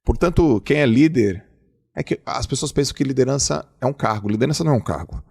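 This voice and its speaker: A middle-aged podcast host with a gravelly, slightly husky voice. He talks in a casual but emphatic, animated way, pressing his points home. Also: medium pitch, quick pace. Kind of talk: casual conversation.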